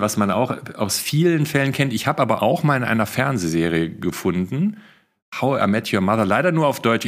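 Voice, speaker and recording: Man, German accent, low voice, chatty podcast co-host, rambling restarts. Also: fairly bright tone. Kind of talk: casual podcast chat.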